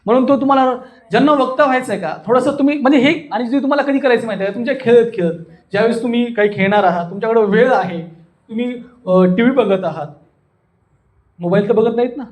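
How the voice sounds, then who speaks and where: Speaking fast in a very high voice, a man with a Marathi accent runs an interactive public speaking workshop. He demonstrates techniques and frequently asks questions to check that people understand.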